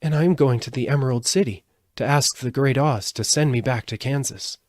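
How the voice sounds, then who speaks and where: A man voicing a polite, kind and curious little girl from a storybook, speaking gently. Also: medium pitch, fairly quick, no room sound, pitched above the performer's own voice, close to an everyday voice. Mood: polite, sympathetic. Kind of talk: storybook character voice.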